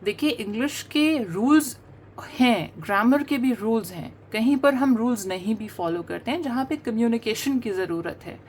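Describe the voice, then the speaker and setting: A middle-aged woman whose mother tongue is Hindi-Urdu, explaining accent and pronunciation in an earnest way, pausing often and mixing in English phrases. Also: on the high side, expressive, a little mellow, slight background noise. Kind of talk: talking-head monologue on language teaching.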